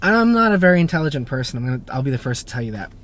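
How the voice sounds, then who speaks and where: A man's voice: medium pitch, big pitch swings, very fast, a bit bright. Casual YouTube host in his thirties, midrange voice, rambling and self-deprecating, faint hum behind. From born in Japan, raised in the United States. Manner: chatty, self-deprecating, many fillers and restarts. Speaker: YouTube car channel host. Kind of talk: casual Q&A to camera.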